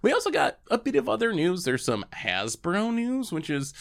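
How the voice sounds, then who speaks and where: A man's voice: sits high, huge pitch swings, normal speed, vocal fry. A man hosting a casual podcast, leading the chat with an upbeat presenter's delivery. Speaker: podcast host.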